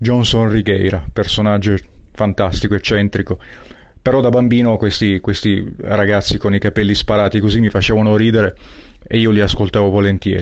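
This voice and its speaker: Very even in loudness, a man with a fairly low pitch speaks at a fairly quick pace in a monotone, flat intonation. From Settimo Torinese, near Turin, northern Italy. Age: 40s. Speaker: contemporary art curator. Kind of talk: recorded interview monologue.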